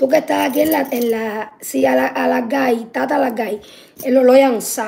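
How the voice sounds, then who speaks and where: This is a woman's voice. Her pitch variation is ordinary. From Cuba, Santa Clara. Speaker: religious leader and spiritual medium. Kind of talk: live stream talk to followers. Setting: live stream. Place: home room. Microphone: phone near.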